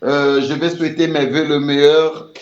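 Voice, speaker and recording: A Congolese man with a Congolese French accent, a musician guest in a casual interview, repeating warm greetings. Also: a little high, little pitch movement, moderate pace. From Republic of the Congo. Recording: roomy, dull lo-fi sound.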